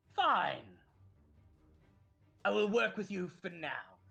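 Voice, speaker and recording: Over music in the background, a man uses a high-pitched, put-on character voice at a fairly slow pace. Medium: actual play. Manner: cold, curt.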